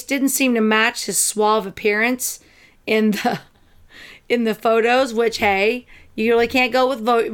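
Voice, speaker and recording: A woman with a raspy voice hosting a casual podcast chat, reading out news headlines between remarks. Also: on the high side, fairly bright tone. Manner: reads headlines aloud, chatty with fillers. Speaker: podcast host.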